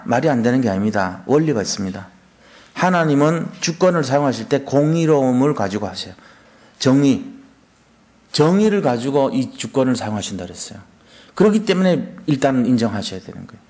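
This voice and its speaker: A man preaching a sermon, animated, firing off rhetorical questions and acting out people's complaints. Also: on the high side. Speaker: pastor. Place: church.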